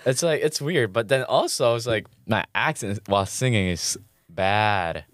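A young man in college with a Hispanic accent, chatting casually in a halting, rambling way, full of "like" and "bro". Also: fairly low pitch, fairly bright tone, no echo, studio quality. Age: young adult. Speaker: college student guest. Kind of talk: casual chat.

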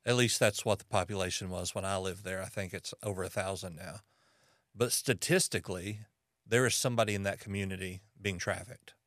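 American male interviewer, fairly deep, dry recording, halting and thoughtful conversational delivery. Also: steady tone, fairly bright tone, dry recording. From Arkansas, United States. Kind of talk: casual conversation.

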